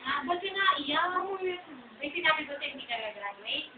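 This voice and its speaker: A woman teacher talking fondly to her pupils at a graduation, scolding them gently and often asking "ha?". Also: high-pitched, expressive, normal speed, crowd noise. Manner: fond, scolding, often asks "ha?". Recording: far-off echoey tinny home video with loud ambience.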